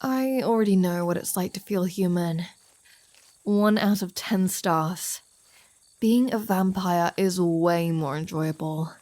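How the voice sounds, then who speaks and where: Slow, teasing vampire woman, acted by a woman. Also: fairly low pitch, dark tone, dry recording. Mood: wry, playful. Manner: teasing, sardonic, sweary, drawling. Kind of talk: ASMR roleplay audio drama addressed to the listener.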